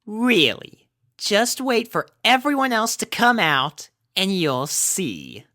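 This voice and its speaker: A man puts on a sly young filly for a storybook tale. The voice is lifted in pitch, cocky and coy, teasing and a touch slow. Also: very animated, bright, forceful tone, dry recording, clean studio sound, heavily acted. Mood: coy eagerness. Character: cocky, sly young girl pony schemer.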